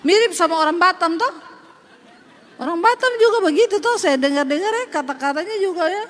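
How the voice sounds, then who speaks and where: A woman pastor from Sulawesi with a Sulawesi Indonesian accent, preaching a lively, humorous sermon straight to her congregation. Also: extremely high pitch, a little fast. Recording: long hall reverb, faint noise.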